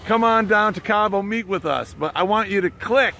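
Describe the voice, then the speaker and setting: Enthusiastic, higher-pitched man with a creaky edge. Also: moderate pace, sharp tone. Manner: enthusiastic, salesy, repeats phrases. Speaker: online business promoter and host. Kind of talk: casual promotional vlog talk. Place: outdoors beside the ocean. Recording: noisy outdoor recording with background rumble.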